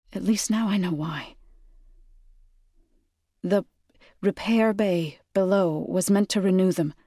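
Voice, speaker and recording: An actress playing an earnest, solemn tribal healer in a science-fiction video game, speaking in a measured, grave, formal way. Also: female voice, mid-range voice, a little mellow, husky, dry recording, studio quality. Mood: grave, hushed. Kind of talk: scripted video game character dialogue.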